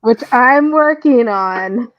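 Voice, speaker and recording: A woman's voice: a little high, lively intonation, takes it slowly, no echo, lo-fi sound. A woman from California joking around in a casual group chat. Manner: joking, playful.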